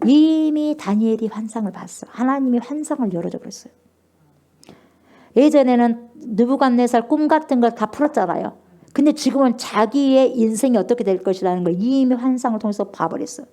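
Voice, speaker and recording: A woman's voice: fairly high pitch, a little fast, warm tone. A woman pastor preaching a sermon, speaking emphatically, asking the congregation questions and acting out scripture with feeling. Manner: emphatic, asks the congregation questions and acts out scripture with rising emotion.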